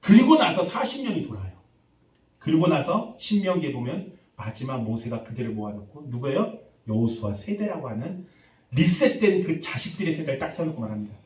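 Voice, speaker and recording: Animated male pastor preaching in echoey church. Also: a little high, a little fast. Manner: animated, acts out quoted voices, quizzes congregation. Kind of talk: revival sermon. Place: church sanctuary. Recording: echoey church hall, distant mic.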